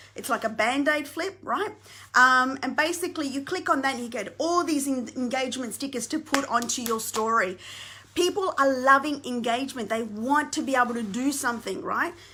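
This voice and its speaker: With ordinary pitch variation, a woman speaks in a raised, projected voice at a high pitch. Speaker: business coach. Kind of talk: live stream tutorial. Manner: fast; animated.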